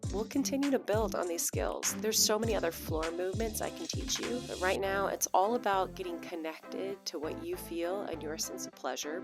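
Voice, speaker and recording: Young female workout instructor, soft and breathy, encouraging cues, mid-range pitch, clear music underneath.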